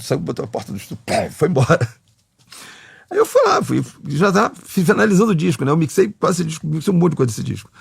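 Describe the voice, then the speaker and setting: A man's voice: on the high side, vocal fry, slightly rough, dry recording. A man, a recording engineer telling studio stories in a casual interview, acting out the dialogue and swearing freely. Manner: animated, acts out quoted dialogue, swears freely.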